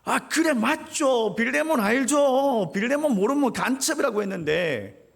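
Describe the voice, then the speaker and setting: A man voicing an eager, warm-hearted elderly apostle who talks excitedly and repeats himself. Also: high-pitched, moderate pace, creaky, long reverb tail, voice pushed up, heavily acted.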